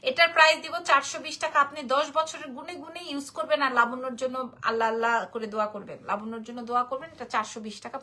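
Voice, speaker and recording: A woman's voice: high voice, sharp tone, a little hiss or hum. A sleepy woman with a Bangladeshi Bengali accent, chatting through a live-stream jewelry sale, repeating prices and reading out viewer comments. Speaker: online jewelry seller. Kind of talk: live-stream sales pitch.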